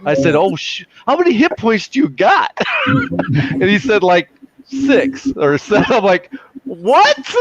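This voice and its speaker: Forties man, headset, lively animated storyteller, slightly dull line with faint hiss. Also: sits high, slow pace. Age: 40s. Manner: excited storytelling with stammered restarts. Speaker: dungeon master and show regular. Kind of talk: casual chat on a video call. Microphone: headset on a video call.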